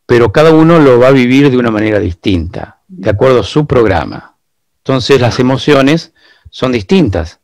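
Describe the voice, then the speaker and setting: A man, a guest expert giving long, measured explanations in an interview, full of rhetorical asides. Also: mid-range voice, creaky, dry recording. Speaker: guest expert on biological decoding.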